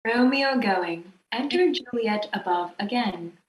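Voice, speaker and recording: A woman's voice: mid-range voice, expressive, slow pace. A woman narrator giving a plain scripted reading of stage directions. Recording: roomy, echoey sound.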